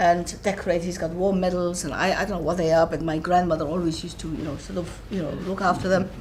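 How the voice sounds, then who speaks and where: A woman talks very fast in a fairly low pitch, monotone and flat, with hardly any pauses. Audible room echo and noticeable background noise fill the recording. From Somaliland. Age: 80s+. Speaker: nurse-midwife and hospital founder. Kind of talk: speech to an audience. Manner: halting, with many repetitions.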